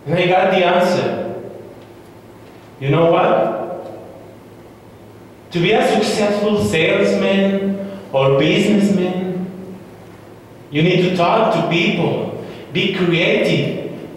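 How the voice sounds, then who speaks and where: A young man delivers a rehearsed English speech in a slow, measured way, leaving long dramatic pauses. His voice is fairly high for a man. He is heard from far off across a big, echoing auditorium with a light hiss. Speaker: speech contestant. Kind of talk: memorized contest speech. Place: large indoor auditorium stage. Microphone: far camera, no visible mic. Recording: echoey hall from far off, faint hiss.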